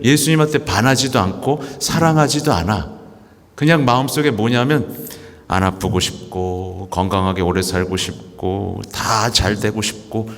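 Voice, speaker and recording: A Catholic priest giving a conversational homily, asking the congregation questions and acting out believers' thoughts. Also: male voice, on the low side. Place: parish church. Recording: church hall reverb.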